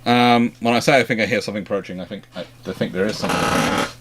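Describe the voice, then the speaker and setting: A man hosting an informal history question-and-answer chat, talking in a discursive, halting way and often rephrasing mid-sentence. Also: fairly low pitch, very noisy. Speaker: naval history livestream host answering questions.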